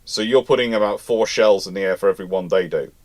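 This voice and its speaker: A man with a fairly low voice hosts a live question session. He reads each question out and then explains his answer at length in an informal, unscripted way. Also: fast talker, darkish tone. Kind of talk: live naval history question-and-answer talk.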